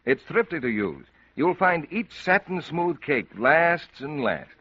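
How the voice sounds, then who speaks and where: A male radio announcer reading a 1940s ad with smooth salesman patter. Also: fairly high pitch, big pitch swings, unhurried. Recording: dull lo-fi old radio broadcast.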